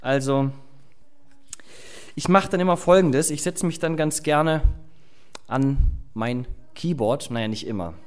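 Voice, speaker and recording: Reading scripture and talking informally with his congregation, a pastor preaches a sermon with Bible reading, using fillers and asides. He has a medium-pitched, smooth voice, a measured pace, and long pauses.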